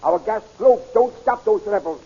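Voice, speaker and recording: A man's voice: high-pitched, normal speed, creaky, breathy edge, exaggerated voice. An actor playing a grave, fatherly older scientist with formal, stilted phrasing in a 1930s radio serial. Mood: urgent. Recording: muffled 1930s radio recording.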